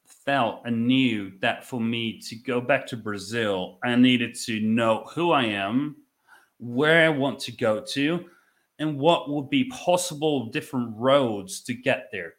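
With a medium-pitched voice and a Dutch accent, a man in his thirties from the Netherlands, a business owner, guests on a podcast. He relates his story conversationally and reflectively, halting often and repeating words.

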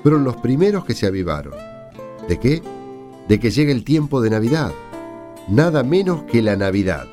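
An actor playing an informal night-school student who narrates in a radio play, conversational, with a Rioplatense Argentine accent. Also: male voice, medium pitch, very animated, moderate pace, pauses often, dark tone, soft background music, lightly acted. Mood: chatty, wry. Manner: conversational, colloquial. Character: informal male night-school student telling his story. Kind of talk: radio drama acting.

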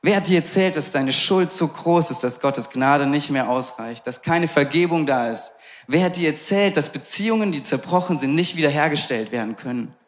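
Young male preacher, fervent, informal, slightly high voice. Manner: fervent, repeated rhetorical questions; casual interjections of "hey". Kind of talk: sermon.

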